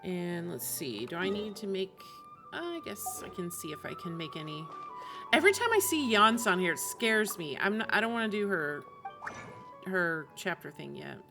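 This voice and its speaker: A woman's voice: medium pitch, wildly swooping pitch, moderate pace, gravelly. A woman live-streaming a video game, chatting informally and thinking aloud in a rambling way. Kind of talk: casual chat while streaming a game. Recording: music behind the voice. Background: video game music.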